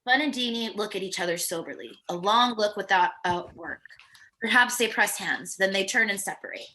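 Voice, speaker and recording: Bright-voiced woman reading stage directions. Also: mid-range voice, expressive, moderate pace, poor audio. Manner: plain descriptive reading with occasional stumbles. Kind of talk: reading screenplay directions aloud at a virtual table read.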